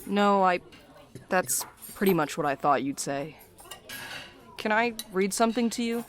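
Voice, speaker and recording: A woman's voice: medium pitch, lively intonation, unhurried, slight background noise, close to an everyday voice. A woman playing a weary, sardonic mail carrier in a naturalistic audio drama, with a dry, guarded delivery. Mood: weary, uneasy.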